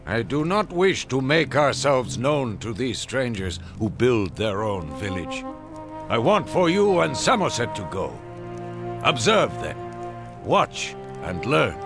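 An actor playing a proud older Native American chief in a radio drama, speaking in a solemn, deliberate and formal way. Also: male voice, mid-range voice, very animated. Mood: stern, commanding. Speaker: narrator and chief. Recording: radio play with music underneath.

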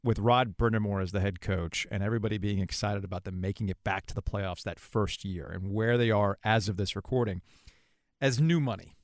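A man's voice: fairly low pitch, brisk, dry recording. Man in his forties, dry close sound. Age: 40s. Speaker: podcast host. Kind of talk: conversational interview, storytelling.

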